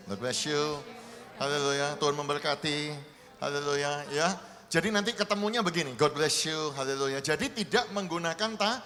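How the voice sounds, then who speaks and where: A man preaching as pastor, lively and coaxing the congregation to practise greetings with one another. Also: on the high side. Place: large church hall. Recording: long hall reverb.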